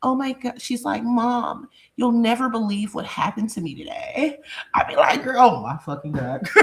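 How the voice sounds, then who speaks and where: Speaking with an American accent, a woman uses a high pitch with very wide pitch swings at a moderate pace. Noticeable background noise sits behind her. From Chicago. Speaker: live-stream reaction host. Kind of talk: casual live-stream chat. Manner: halting, with many fillers.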